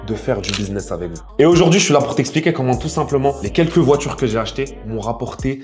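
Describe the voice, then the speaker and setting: A boastful young man in his twenties speaks straight to his viewers in a vlog monologue. His voice sits at an ordinary middle pitch. He sounds sure of himself, and soft music plays faintly underneath. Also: animated, quick pace. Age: 20s. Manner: boastful, self-assured, addresses viewers directly. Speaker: influencer and investor. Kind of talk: direct-to-camera vlog monologue.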